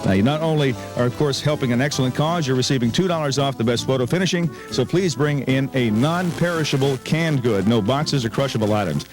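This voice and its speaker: A man's voice: mid-range voice, fairly quick, few pauses. A man hosting a morning radio show, moving between chat and live ad reads. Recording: radio aircheck with music behind.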